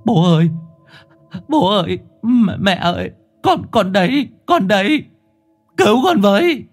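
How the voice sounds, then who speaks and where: A man's voice: sing-song, moderate pace, a little mellow, husky. A man voicing a panicked young man trapped in a dog's body, stammering and pleading. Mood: desperate. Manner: stammering, pleading, shrill cries. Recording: faint music behind.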